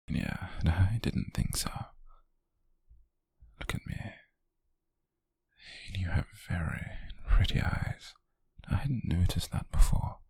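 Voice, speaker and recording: A British man playing a possessive, wealthy young yandere in an ASMR roleplay, coaxing haltingly in a breathy, husky whisper with soft menace. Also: deep voice, dry recording, heavily acted. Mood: possessive, insistent.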